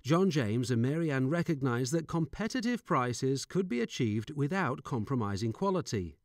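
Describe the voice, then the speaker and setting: A middle-aged man with a soft Northern English accent reads scripted corporate narration in a measured, informative storytelling manner, close on a studio microphone. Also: medium pitch, sing-song, no echo. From Northern England. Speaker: voice-over artist. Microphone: studio microphone with pop shield.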